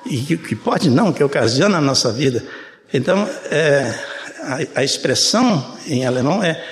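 An older man from Brazil with a Brazilian Portuguese accent, giving a conversational sermon and often checking in with his listeners. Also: fairly high pitch. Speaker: preacher. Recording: reverberant hall, faint room ambience.

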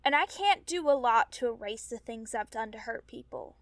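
A woman's voice: a little high, expressive, normal speed. A woman acting in an audio drama as a young Fae companion, earnest and reassuring, speaking plainly and sincerely.

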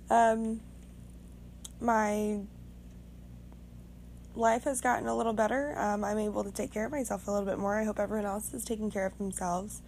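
A young woman hosts her podcast in a loose, rambling monologue, her voice raspy from having just woken up. She talks frankly and swears casually. A faint hum sits under the recording. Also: fairly high pitch, a little mellow. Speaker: podcast host.

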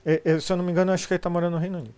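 A man's voice: high voice, little pitch movement, very fast, darkish tone, smooth, no room sound. A middle-aged Brazilian man with a congested, sniffly voice from a cold, chatting casually and opinionatedly on a live stream in informal, sweary Brazilian Portuguese speech.

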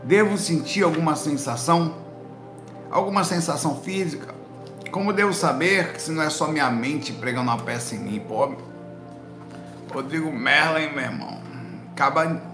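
A man with a Pernambuco accent from northeast Brazil, telling stories to camera in animated, slangy bursts. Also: fairly high pitch, moderate pace, long pauses, reverberant, over music. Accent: Pernambuco Portuguese. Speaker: spiritual vlogger answering viewers. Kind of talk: casual talk to camera. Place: indoor room with a light behind him.

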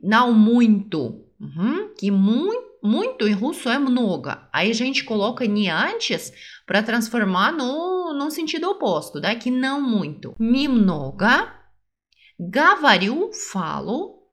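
A woman teaching phrases on a podcast, modelling each one slowly and carefully and repeating it for the listener. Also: on the high side, sing-song. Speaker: language teacher. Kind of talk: podcast language lesson.

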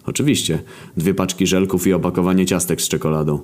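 A man voicing Death, a weary male horseman who speaks flatly and dryly. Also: deep voice, quick pace, natural voice.

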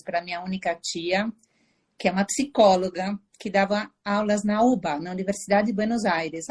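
A woman from Argentina, a psychiatrist guest on a video call, telling her story in a warm, animated way. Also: medium pitch. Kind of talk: casual interview storytelling.

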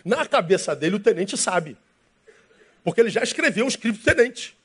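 A man preaching, his voice pitched fairly high with a husky edge. He tells a story like a storyteller, voicing each person in turn. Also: moderate pace. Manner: animated storyteller acting out both sides of a dialogue. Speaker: pastor. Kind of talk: sermon told as an anecdote.

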